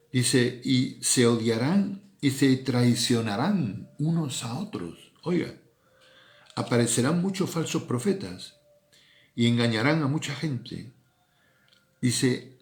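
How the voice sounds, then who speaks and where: Man, middle-aged pastor, low voice, chatty sermon. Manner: conversational, often adds tag questions. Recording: echoey room.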